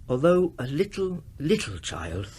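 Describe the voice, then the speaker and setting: A gentle, grieving father of a poor family in a radio drama. His voice is husky and swings widely in pitch, tender and halting as he talks to his loved ones. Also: huge pitch swings, exaggerated voice. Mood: tender sorrow.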